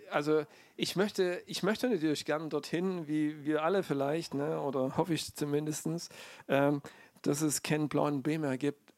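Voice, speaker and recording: A man's voice: a little high, darkish tone. A man preaching an informal sermon, chatty, with many fillers and restarts.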